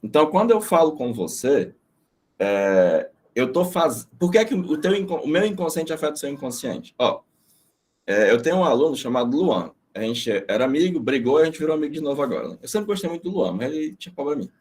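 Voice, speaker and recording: A middle-aged man teaching an online class in a casual, storytelling way. His pitch swings lively up and down, and he curses freely as he explains. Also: fairly quick. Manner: animated storytelling, casual and profane.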